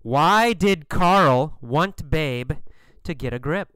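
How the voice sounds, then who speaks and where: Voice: mid-range voice, animated, slow pace, fairly bright tone, clear, resonant tone, no echo, clean studio sound. A teacher telling a story as a question-and-answer lesson, drilling each point with repeated questions and emphatic answers. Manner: emphatic, exaggerated delivery. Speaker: English teacher.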